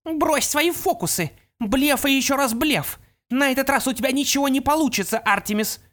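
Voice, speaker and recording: A man's voice: very high voice, very animated, normal speed, fairly bright tone, voice pushed up, exaggerated voice. A male audiobook reader voicing a furious, vicious female pixie villain who shrieks and gloats. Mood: mocking. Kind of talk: audiobook character voice.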